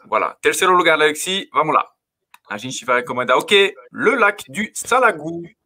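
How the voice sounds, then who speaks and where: A man speaks at a moderate pace with a French accent and lively intonation. The sound is dry and close, with no echo. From France, Paris. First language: French (speaking Portuguese). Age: 30s. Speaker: French teacher. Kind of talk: casual chat. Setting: livestream.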